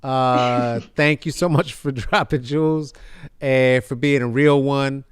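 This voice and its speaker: A man hosting a casual chat show, rambling and playful, moving from quiet earnest thanks to loud hype. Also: mid-range voice, fairly even intonation, slow, clean tone, no echo, clean studio sound. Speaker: podcast host. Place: video call.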